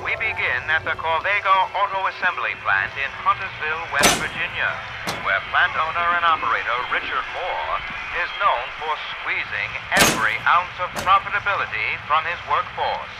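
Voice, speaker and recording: An actor playing an ominous host of spooky tales, announcing grandly in an old-time radio drama style. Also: male voice, on the high side, lively intonation, normal speed, heavy background noise, natural voice. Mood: ominous, theatrical. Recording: band-limited old radio sound with music.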